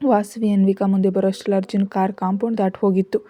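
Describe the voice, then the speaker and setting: A woman reading a story aloud as narrator, in a steady, even storytelling manner. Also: mid-range voice, fast, no room sound, dull audio.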